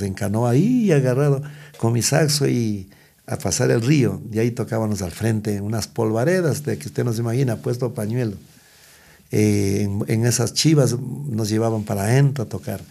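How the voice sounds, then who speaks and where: Gravelly middle-aged man. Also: mid-range voice, a little fast, warm tone. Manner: rambling with many restarts. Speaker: guest musician. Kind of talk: storytelling interview.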